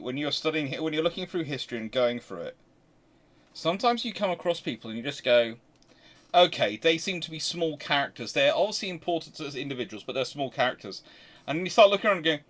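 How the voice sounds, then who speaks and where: A man's voice: a little high, expressive, a little fast, a bit bright. A man hosting an unscripted history discussion, talking emphatically and rambling, often restarting his sentences mid-thought. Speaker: host and naval historian.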